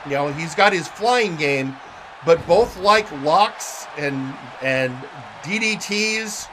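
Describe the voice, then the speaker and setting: A man working as an excitable wrestling commentator, mixing live calls with conversational analysis. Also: a little high, slow, background noise.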